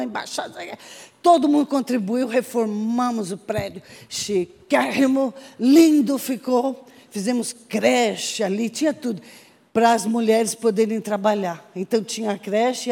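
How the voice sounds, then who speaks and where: A Brazilian woman missionary telling her testimony to a congregation in a lively storytelling manner, acting out the voices of the people in her story. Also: on the high side, creaky. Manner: animated storytelling with acted quotes. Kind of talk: testimony sermon. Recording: reverberant hall.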